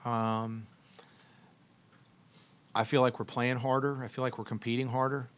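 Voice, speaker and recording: Flat in delivery and medium in pitch, this middle-aged man is a head basketball coach taking postgame press questions. He sits at a table in a press room with a logo backdrop, talking into a stand-mounted table mic, and his thoughtful answers are full of restarts and ums.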